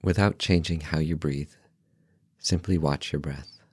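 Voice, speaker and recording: A man with an extremely low voice guides a meditation, calm and gentle. He speaks in short, unhurried phrases with long pauses between them. The sound is dry and close, with no room around it. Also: breathy edge, no room sound. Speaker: meditation guide, podcast host.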